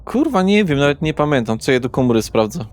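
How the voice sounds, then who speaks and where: A man's voice: on the high side, sing-song, quick pace. Man acting cocky foul-mouthed young street guy. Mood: cocky, pushy. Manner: slangy, swearing, pushy.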